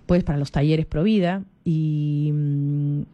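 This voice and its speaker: A woman's voice: low-pitched, fairly even intonation, takes it slowly, lo-fi sound. A woman in her forties with a Peruvian Spanish accent, hosting a Catholic radio program in a chatty way, often tagging her sentences with little questions and restarting them. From Peru. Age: 40s. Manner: chatty, frequent tag questions, many restarts. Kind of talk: casual radio talk.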